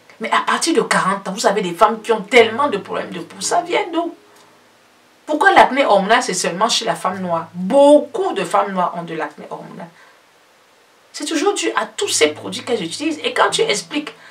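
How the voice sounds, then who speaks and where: Amid noticeable background noise, a woman with a fairly high pitch speaks at a moderate pace, with very wide pitch swings and big swings in loudness. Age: 60s. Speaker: pharmacist and skincare vlogger. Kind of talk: vlog rant. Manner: animated.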